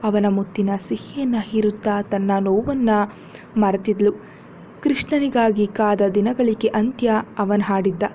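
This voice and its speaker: In a mid-range voice at a measured pace, a woman narrates a serialized romance story with steady, dramatic delivery. The lo-fi recording sounds dull, with faint hiss.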